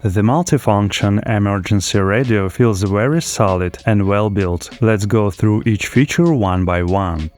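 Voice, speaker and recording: A man's voice: on the low side, a little slow, hardly any pauses, a little mellow, faint music behind. A man reading scripted voice-over narration as a product reviewer. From lives in Spain.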